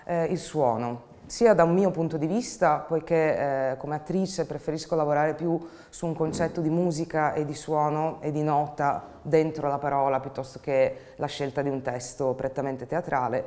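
A woman. She talks in a measured, reflective way, as an actress being interviewed about her work, stopping now and then to find words. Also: deep voice, steady tone, dark tone. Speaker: actress and theatre group co-founder. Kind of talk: interview monologue about own artistic work. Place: dark indoor studio, seated.

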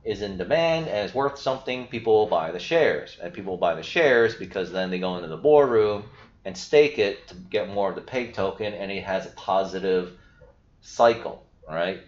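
A young man talks through a screen share in a loose, chatty way, filling gaps with "you know" and "all right". His voice sits a bit low. The sound is roomy and dull, like a basic desk setup in a small room. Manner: chatty, filler-heavy, explaining as he goes. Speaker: crypto video host. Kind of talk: casual screen-share walkthrough.

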